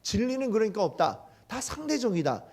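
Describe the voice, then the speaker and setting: In church, a male pastor teaches through his sermon, often asking the congregation questions and bringing the story to life with vivid quoted lines. His voice sits high, and he speaks fairly quickly.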